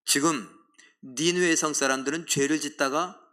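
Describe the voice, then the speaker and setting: A middle-aged pastor delivers a sermon in a bright, ringing voice that sits a little high for a man. He preaches dramatically, voicing complaints with rising force, and leads a group reading of scripture aloud. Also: steady tone, normal speed.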